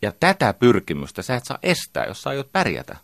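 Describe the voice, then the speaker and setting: A man's voice: mid-range voice, wildly swooping pitch, vocal fry, no room sound. A middle-aged man giving a lecture as a communication trainer, emphatic and full of rhetorical questions.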